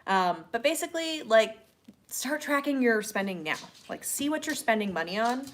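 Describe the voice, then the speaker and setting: A woman's voice: a little high, expressive, normal speed. A woman co-hosting a casual, slightly tipsy question-and-answer stream, chatty and playful with lots of fillers. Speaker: podcast co-host answering listener questions.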